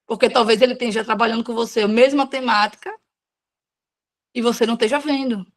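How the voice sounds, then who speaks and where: A woman with a high, bright voice leads a casual devotional for women. She preaches frankly, dropping in slang and talking to listeners as friends. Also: steady tone, quick pace. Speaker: devotional speaker. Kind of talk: informal devotional talk.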